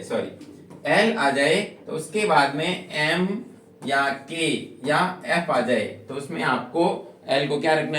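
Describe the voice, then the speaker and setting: A man's voice: mid-range voice, a bit bright. A man teaching English spelling rules to a class, repeating each rule and asking questions that he answers himself. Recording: echoey room, voice from far off.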